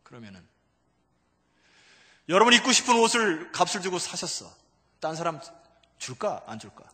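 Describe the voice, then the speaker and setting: In a church sanctuary, a male pastor preaches emphatically at a moderate pace, very animated and calling out to the congregation for responses. He swings between loud exclamations and hushed, low asides, and the recording carries the long reverb of a large church hall.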